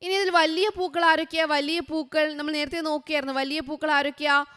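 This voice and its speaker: A woman tutoring first graders, asking short questions again and again in an unhurried, clear way. Her voice is high and bright. A long reverb from the room trails behind her words. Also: little pitch movement. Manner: quizzes with short repeated questions, slow and clear. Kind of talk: exam revision lesson for young children.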